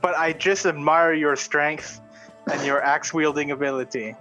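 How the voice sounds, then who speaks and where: A man's voice: fairly high pitch, steady tone, moderate pace, pushed and bright, faint music behind, poor audio. A man playing a tabletop game, joking and teasing theatrically. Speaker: player. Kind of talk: casual tabletop role-play.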